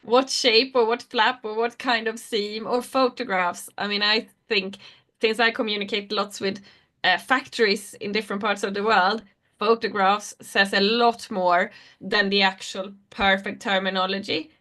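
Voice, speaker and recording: A woman's voice: mid-range voice, steady tone, normal speed, sharp tone. A woman speaking as a designer on a live online panel, answering in a loose, chatty way that trails off between thoughts. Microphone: video call.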